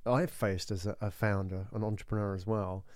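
A man's voice: fairly low pitch, level tone, fairly quick, dry recording. A man hosting a podcast interview in a studio, chatty and lightly joking as he asks leading questions. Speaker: podcast host.

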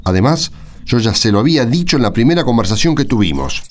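A man's voice: medium pitch, lively intonation, fast talker, natural voice. A man with an Argentine accent playing a proud, indignant small-town priest in a radio drama, scolding bluntly and emphatically.

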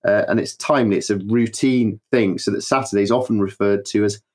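A man's voice: on the low side, fairly even intonation, a little fast, darkish tone. Man, podcast host, chatty, stumbling restarts. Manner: chatty, stumbling over words. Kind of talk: interview podcast.

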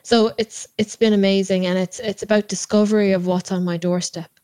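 A woman with a Cork accent from Ireland talks as a guest on a podcast, recorded at home in a dry room. Her voice is medium-pitched, steady and slightly dark, and she speaks a little fast. She's enthusiastic in this conversational interview, often repeating words while she hunts for the right phrasing.

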